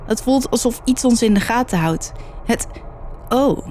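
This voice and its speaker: A woman's voice: on the high side, expressive, a little slow, a little mellow, a little hiss or hum, pitched above the performer's own voice. A woman doing a frightened young woman. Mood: uneasy. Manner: uneasy, anxious.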